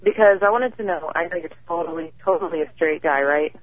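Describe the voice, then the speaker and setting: A woman's voice: sits low, brisk, slightly rough. A woman caller on a talk show, heard over the phone, asking teasing questions with a giggle. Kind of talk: call-in radio chat. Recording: tinny phone line.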